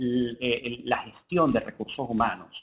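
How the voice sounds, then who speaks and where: A man with a Venezuelan accent speaks at a fairly slow pace. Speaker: coach and humorist. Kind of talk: webinar presentation. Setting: online webinar. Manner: hesitant, many fillers.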